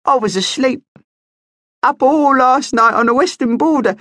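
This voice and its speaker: A man voicing a sleepy young bat with a squeaky voice. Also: measured pace, pushed and bright, dry recording, clean studio sound, heavily acted.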